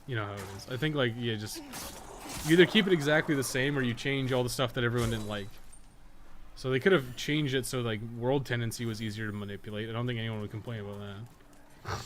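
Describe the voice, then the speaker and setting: A man giving casual, rambling live commentary as he plays a game, thinking out loud and swearing freely. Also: medium pitch, fast, slight background noise. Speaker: game streamer and guide maker.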